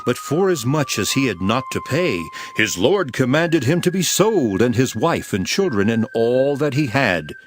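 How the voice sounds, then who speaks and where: A man playing Jesus as a solemn, authoritative teacher in a dramatized Bible reading, speaking in an emphatic, measured way. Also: medium pitch, very animated, natural voice. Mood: solemn storytelling.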